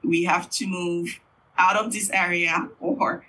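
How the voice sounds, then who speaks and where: Husky-voiced man recounting his life. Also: sits high, fairly even intonation, bright, forceful tone, poor audio. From Haiti. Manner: unhurried, explains at length with frequent fillers. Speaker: Creole language teacher. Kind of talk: conversational interview answers.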